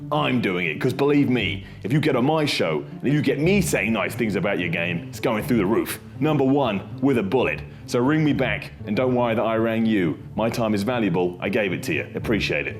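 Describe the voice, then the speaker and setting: Brash man leaving a voicemail. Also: lowish voice. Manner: brash, pompous and demanding. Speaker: comedy show host. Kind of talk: comic sketch.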